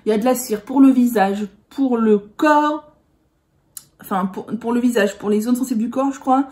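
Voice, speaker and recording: A woman's voice: fairly high pitch, moderate pace, mellow. A woman vlogger chatting casually about products, rambling with many hesitations.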